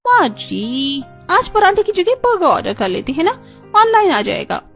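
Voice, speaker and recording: A woman plays a sleepy, spoiled young daughter-in-law in an animated story. Her voice sits high and squeaky, and she drags out her whiny pleas. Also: moderate pace, vocal fry, faint music behind, heavily acted. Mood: whiny pleading. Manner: whiny, pleading.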